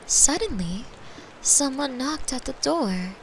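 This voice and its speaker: A caring young girlfriend, acted by a woman, murmurs close to the mic in an ASMR bedtime roleplay. Her voice sits a little high and moves at a very slow, soothing pace, playful and tender, dipping into whispers. There is audible noise behind her. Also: animated, exaggerated voice, poor audio. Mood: soft storytelling. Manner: gentle, soothing, teasing, unhurried, slipping into whispers. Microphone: close microphone, made for headphones.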